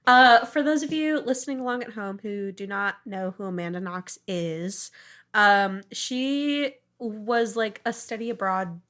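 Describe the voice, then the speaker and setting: A woman's voice: mid-range voice, a little slow, a bit bright. A woman co-hosting a podcast, chatting casually and jokily as she retells a story. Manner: informal and jokey, often laughing. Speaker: podcast co-host. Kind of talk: casual chat, retelling a true-crime case.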